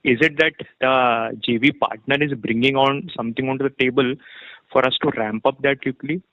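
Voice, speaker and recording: A man's voice: medium pitch, steady tone, normal speed, no echo. A man, a fund analyst, asks questions on an earnings call, politely and with many fillers. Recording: dry tinny phone line.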